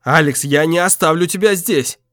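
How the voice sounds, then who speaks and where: A man's voice: on the high side, normal speed, a bit bright, dry recording, studio quality, voice pushed up, natural voice. A man reading an audiobook, voicing a guilt-ridden young man who speaks in terse, clipped phrases. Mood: urgent. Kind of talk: audiobook character voice.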